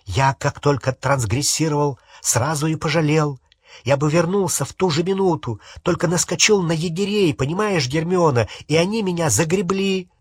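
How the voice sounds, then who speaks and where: A man's voice: on the high side, moderate pace, breathy edge, no room sound, pitched above the performer's own voice. A man reading an audiobook, voicing a guilty teenage boy wizard who pleads and argues back. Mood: defensive pleading. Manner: pleading, then shouting back.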